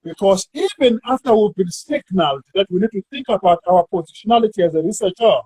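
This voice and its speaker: A South African man, a university academic, talking through an academic discussion in a measured way and drawing words out while he thinks. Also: high-pitched, expressive, a little mellow, husky, dry recording, rough recording.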